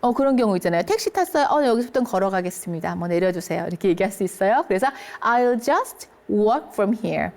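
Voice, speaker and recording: A woman teaching English phrases to older learners, speaking them slowly and clearly and checking in often with her listeners. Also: mid-range voice. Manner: lively, encouraging, keeps checking in with listeners. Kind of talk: English lesson for seniors.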